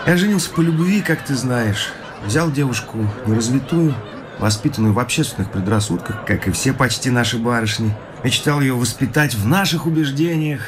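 An actor playing an earnest, idealistic young husband in a radio play, speaking sincerely and softly. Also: male voice, mid-range voice, animated, moderate pace, crowd noise, noisy background, close to an everyday voice. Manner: earnest, soft-spoken, sincere. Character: earnest young idealist Zhadov, recently married man.

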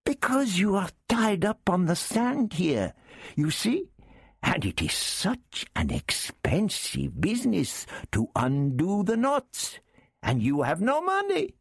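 A man voicing a wily, overly polite male thief who fawns and keeps flattering his captive. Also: sits high, slow, creaky, slightly rough, no echo, studio quality, voice pushed up, exaggerated voice. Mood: wheedling. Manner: fawning, keeps saying my lord.

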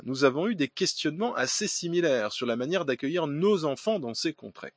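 A man's voice: medium pitch, husky, no room sound, clean studio sound. A man hosting a podcast, reading listener letters aloud with hesitant fillers, restarts and ironic asides. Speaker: podcast host.

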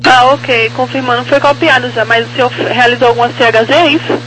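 A Brazilian man working as an air traffic controller, giving procedural clearances in clipped phrases over aviation radio. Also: very high-pitched, fairly even intonation, fairly quick, sharp tone. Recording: faintly noisy radio transmission with hum.

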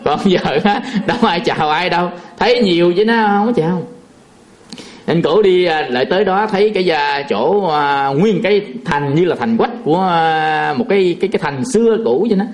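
Monk guy, kinda high voice, rambling folksy sermon story w/ lots of chuckles and fillers. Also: animated, moderate pace. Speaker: Buddhist monk.

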